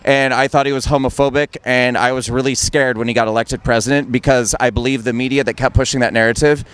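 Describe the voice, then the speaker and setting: A man's voice: mid-range voice, fairly even intonation, quick pace, fairly bright tone, clear, resonant tone. A man doing a conversational street interview on a city sidewalk, speaking earnestly and persuasively. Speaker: street interviewer, campaign activist. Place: outdoors on a busy city sidewalk. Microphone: handheld interview mic. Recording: noisy busy city street with traffic.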